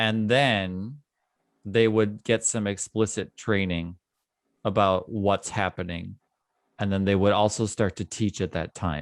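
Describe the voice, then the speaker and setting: On a very clean recording with a silent background, a man with a plain, everyday voice speaks fairly low in pitch, at a fairly slow pace with fairly even intonation. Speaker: Spanish teacher and teacher trainer. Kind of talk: casual chat.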